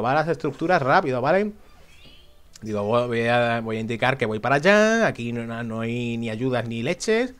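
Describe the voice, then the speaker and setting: A man's voice: mid-range voice, a bit bright, slight background noise. A man giving chatty, jokey live commentary over his own gameplay, swearing and calling out enemies.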